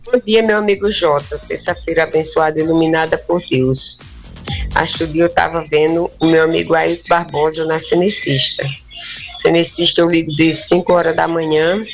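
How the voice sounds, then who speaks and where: An older woman calling in to a radio program, speaking. Her voice is mid-pitched and gravelly, and she offers devout, heartfelt greetings. Faint music sits behind her. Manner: warm, devout greetings and dedications. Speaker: radio caller.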